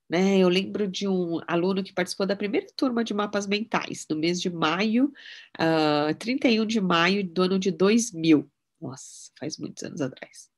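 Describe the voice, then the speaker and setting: A middle-aged woman, a mind-mapping instructor, giving a casual teaching talk with personal anecdotes in a chatty, relaxed way. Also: fairly low pitch. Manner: chatty, relaxed, often adds "né?" tags.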